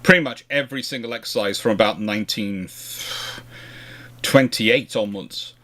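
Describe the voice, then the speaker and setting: A man's voice: on the low side, moderate pace, sharp tone. A man hosting a casual history question-and-answer chat, rambling and often circling back to rephrase himself. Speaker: host answering viewer questions.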